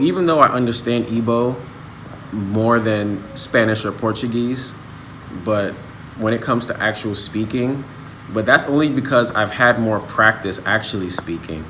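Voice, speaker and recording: A man's voice: on the low side, fairly bright tone, slight background noise. A man in his thirties talking casually and earnestly to his viewers about learning languages, with many restarts. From United States. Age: 30s. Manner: earnest, motivational, talks in restarts. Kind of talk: casual vlog monologue. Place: outdoors, then a restaurant.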